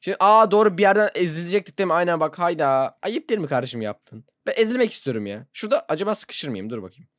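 A gaming YouTuber giving casual let's-play commentary, excitable, laughing often and yelping when startled. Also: medium pitch, fast, few pauses, dry recording, clean studio sound.

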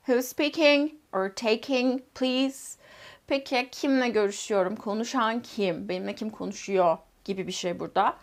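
A woman teaching an English grammar lesson for middle school, reading English phone phrases slowly and then translating them. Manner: lively teacherly delivery with rising and falling pitch.

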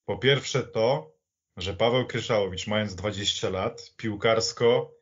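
A man's voice: on the low side, a little slow, fairly bright tone, husky, highs cut off. A man talking off the cuff as a podcast panellist about sport. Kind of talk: unscripted sports discussion.

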